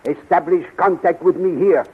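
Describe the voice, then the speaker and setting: An actor playing an authoritative, shrewd space commander with a husky voice and measured, commanding delivery in 1930s radio serial style. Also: male voice, high-pitched. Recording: thin, tinny 1930s radio recording.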